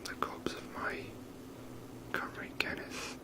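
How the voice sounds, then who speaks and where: A person whispering softly and breathily in a casual, rambling ASMR commentary while playing a video game. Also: slow pace.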